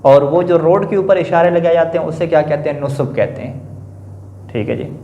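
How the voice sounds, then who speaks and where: A man teaching a class, his voice a touch higher than most men's. He keeps putting questions to the room and answering them himself, adding short confirming fillers. The sound is dull and lo-fi, with a clear room echo. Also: warm tone, a little hiss or hum. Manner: repeats a confirming filler often. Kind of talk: classroom lecture on Arabic grammar.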